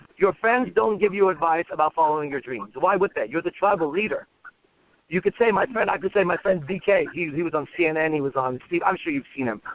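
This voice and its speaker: A high-pitched man's voice, animated and very fast, with lively intonation. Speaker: dating coach. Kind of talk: role-play demonstration and coaching.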